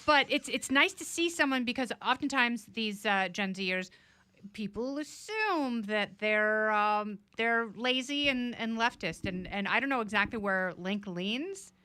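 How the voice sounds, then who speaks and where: A woman guest-hosting a casual political podcast, quick and sarcastic with jokey asides. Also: fairly high pitch, expressive, bright, forceful tone, clear, resonant tone, dry recording. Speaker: guest host.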